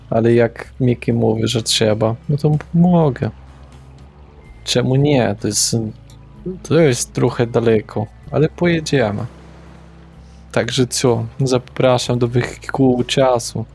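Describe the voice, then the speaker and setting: A man's voice: medium pitch, slow pace, creaky, darkish tone, husky, soft background music. A man speaking in character in a tabletop roleplaying game, casual and rambling. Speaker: player.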